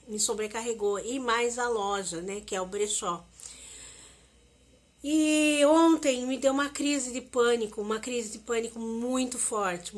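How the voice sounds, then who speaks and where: A woman's voice: on the high side, fairly bright tone. A woman, talking emotionally and repetitively straight to her viewers in a confessional vlog. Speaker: vlogger.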